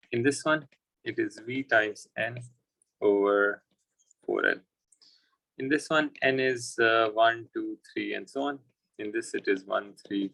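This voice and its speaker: A man with a South Asian accent teaches as a tutor, solving problems step by step. His voice has a strong creak and sits at a medium pitch. The sound is dry, and he talks informally, thinking aloud in short pieces. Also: a bit bright, dry recording, poor audio. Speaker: physics tutor. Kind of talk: working through exam questions aloud.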